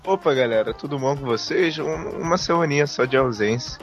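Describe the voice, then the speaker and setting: A man's voice: mid-range voice, fairly quick, lo-fi sound, faint music behind. Friendly wry man greeting listeners. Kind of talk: casual podcast chat.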